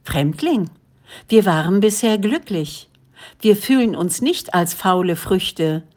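A woman's voice: mid-range voice, lively intonation, takes it slowly, a little mellow. A woman reading the part of a defiant male villager who speaks in a stubborn, self-assured way. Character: defiant male villager, content with his life.

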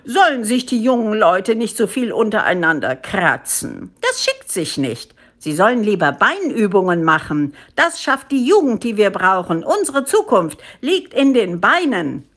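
Storybook monkey ruler, male female reader: pompous, bossy, officious, with very animated intonation. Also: medium pitch, unhurried, hardly any pauses. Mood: pompous, lecturing. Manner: pompous, officious, declaiming with hesitant fillers. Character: pompous, blustering male monkey chief, self-important official.

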